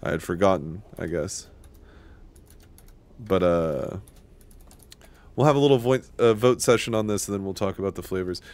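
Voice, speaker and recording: This thirtysomething streamer from Washington State talks in a low, slightly mellow voice at normal speed, pausing often. He chats casually with his audience while gaming, wandering off topic and cursing without restraint.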